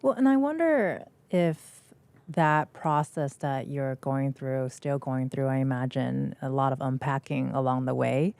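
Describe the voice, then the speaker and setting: A woman hosting a public radio interview in the studio, measured and attentive as she asks her questions. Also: extremely low pitch, gravelly, darkish tone, dry recording. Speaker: radio host.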